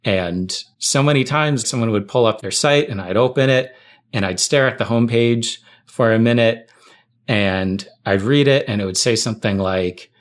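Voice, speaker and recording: A man's voice: mid-range voice, normal speed. A man talking conversationally and anecdotally as a guest in a casual podcast chat. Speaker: tech writer, podcast guest.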